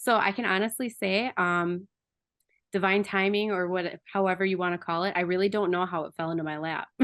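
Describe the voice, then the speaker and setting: Against a quiet background, a woman with a Wisconsin accent talks at a medium pitch and fairly quick pace, keeping her intonation fairly even. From US Upper Midwest, Oshkosh, Wisconsin. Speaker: numerologist. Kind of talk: casual interview chat.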